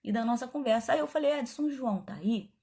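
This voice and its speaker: A middle-aged woman pastor, telling her testimony in a chatty, animated way, acting out the dialogue as she goes. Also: a little high, fast talker, slightly rough. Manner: animated, chatty, frequent asides and quoted dialogue. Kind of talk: testimony storytelling.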